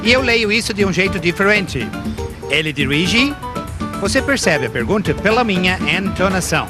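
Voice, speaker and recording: Man, Brazilian accent, TV teacher, lively intonation, fairly high voice, music bed. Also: a little fast. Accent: Brazilian Portuguese. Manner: didactic, emphatic on examples. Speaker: English teacher presenter. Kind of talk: scripted TV lesson.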